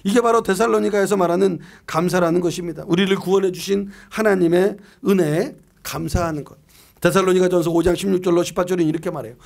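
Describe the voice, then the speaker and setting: High, gravelly-voiced male pastor. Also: fairly even intonation, fast talker, a little mellow. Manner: conversational preaching, reads scripture aloud, asks and answers own questions. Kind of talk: year-end service sermon.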